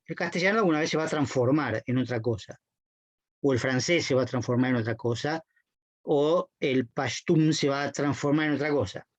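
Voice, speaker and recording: A man's voice: mid-range voice, moderate pace, dry recording. A man giving a university semiotics lecture, explaining patiently and often checking in with his students. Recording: dull dry lo-fi recording.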